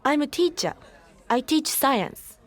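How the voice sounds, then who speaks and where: A polite adult woman science teacher, as a man puts her on, with a high voice that rises and falls a lot. Her answers are short and simple. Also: lively intonation, slow pace, heavily acted.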